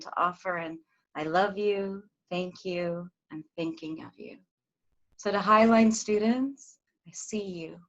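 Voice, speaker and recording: A woman delivers an inspirational speech as a guest speaker. Her pace is slow and her phrases are short and deliberate. The voice is mid-pitched, on a somewhat dull, low-fidelity recording. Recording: dull lo-fi sound.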